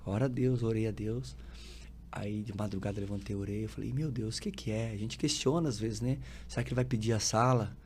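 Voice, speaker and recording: A pastor appearing as a podcast guest tells his personal testimony in a lowish, fairly quick voice, with slight background noise. He tells his story lively, acting out its dialogue and using lots of filler tags, and he quotes scripture like a preacher with rising emphasis.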